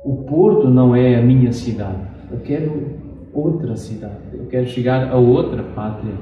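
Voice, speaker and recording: A middle-aged man from Portugal with a European Portuguese accent, preaching a sermon with slow, emphatic pauses. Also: mid-range voice, highs cut off, a little hiss or hum. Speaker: pastor. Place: church sanctuary. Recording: very echoey church, distant mic.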